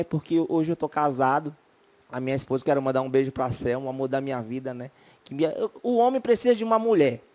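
A young man does a chatty, self-mocking stand-up set and keeps tossing in little tag questions. His voice sits a touch high for a man. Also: darkish tone. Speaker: stand-up comedian contestant.

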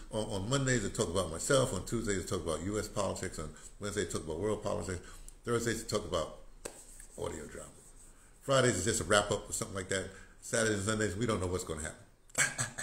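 A man's voice: low voice, a bit bright. An older man in a casual vlog, rambling and repeating words as he shows his home and patio, filmed on a phone at arm's length. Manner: rambling, repeats words, gestures while explaining. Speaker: vlogger on audio drama. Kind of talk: casual walk-and-talk vlog. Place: small home, then sunny patio outdoors. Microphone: phone camera held at arm's length. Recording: phone recording with clear background noise.

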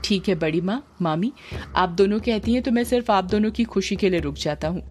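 A woman narrator voicing a polite young man who speaks gently but firmly. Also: medium pitch, a little fast, a little hiss or hum, close to an everyday voice.

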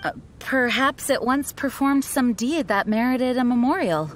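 A woman voicing a composed, dutiful young knight commander in a video game, speaking in a measured, formal, serious manner. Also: high-pitched, expressive, slight background noise. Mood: thoughtful.

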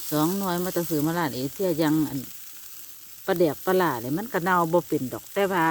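A woman's voice: lowish voice, fast, slight background noise. A woman with an Isan Thai accent chatting casually to her viewers while grilling outdoors, rambling along and often calling them brothers and sisters. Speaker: vlogger. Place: backyard outdoors by a charcoal grill.

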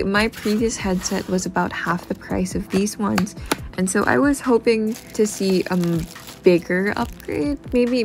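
Woman, casual unboxing vlogger, excitable chatter, middle pitch. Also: vocal fry.

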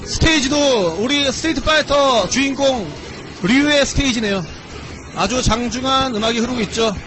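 A man giving excitable, exclamatory commentary on a fighting-game tournament, mixing announcer calls with casual chat. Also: extremely high pitch, normal speed, crowd noise. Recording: loud background noise.

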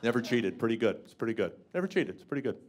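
A man in his thirties from Canada, with a deep voice, doing a stand-up set into a handheld mic in a small comedy club. He talks in a wry, self-mocking way and breaks into bursts of mock bluster. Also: very animated, racing, crowd noise. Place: small comedy club stage with a seated audience. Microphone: handheld stage microphone.

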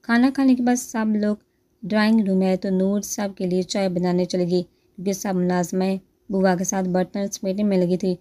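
A woman narrating a romance novel aloud in a steady storytelling manner. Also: mid-range voice.

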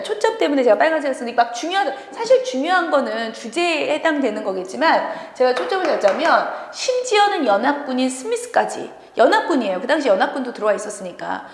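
A woman tutor lecturing students on a literary work in a chatty, animated way, laughing often between points, in what sounds like a classroom. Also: high voice. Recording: echoey room with long reverb.

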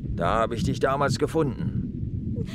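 Defiant policeman played by an actor, loud background noise. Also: medium pitch, measured pace, lightly acted. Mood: protective. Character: defiant, protective policeman under threat. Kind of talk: German crime audio drama acting. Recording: loud train noise behind voice.

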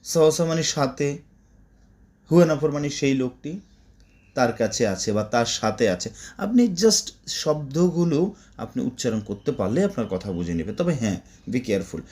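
Male language tutor, native Bengali speaker, drilling Arabic words with a warm, animated delivery. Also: mid-range voice, measured pace, long pauses. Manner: repetitive, drilling words, chatty asides. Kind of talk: spoken Arabic lesson for Bangla speakers.

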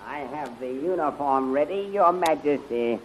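An actor playing an obsequious, nervous palace official in a 1930s radio drama style. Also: male voice, on the high side, unhurried, a little mellow, natural voice. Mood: deferential. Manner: fawning, hesitant, pleading. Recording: muffled, hissy 1930s radio recording.

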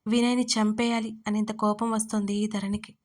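A woman narrating an audio story in a steady storytelling manner. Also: mid-range voice, normal speed. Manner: steady storytelling, reads every character's lines.

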